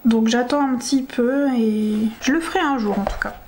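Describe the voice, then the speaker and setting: A woman's voice: a little high, moderate pace, background noise. A woman vlogger chatting casually and gushing about illustrations she likes, giggling now and then. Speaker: coloring-book vlogger. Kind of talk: casual chat.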